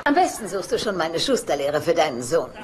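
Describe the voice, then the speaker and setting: A haughty, sarcastic sitcom mother, lively pitch. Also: a little fast, over a noisy crowd. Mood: dry, cutting. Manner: dry, cutting, haughty. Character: sarcastic older mother of two grown sons. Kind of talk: German-dubbed TV sitcom acting. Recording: noisy TV soundtrack with studio laughter.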